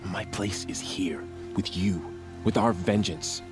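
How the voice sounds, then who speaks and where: A man's voice: deep voice, slow pace. An earnest young tribal warrior in a game drama. He is a devoted son with solemn, formal phrasing, heard over faint music. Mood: earnest, pleading. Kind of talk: dramatic video game acting.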